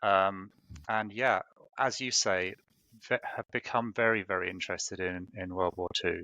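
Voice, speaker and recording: With an English accent, a man speaks at a moderate pace and fairly low pitch, his tone bright and sharp, intonation fairly even, the sound dry and close with no echo against a quiet background. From southern England, Sussex. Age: 50s. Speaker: novelist. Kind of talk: interview. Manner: hesitant, many fillers.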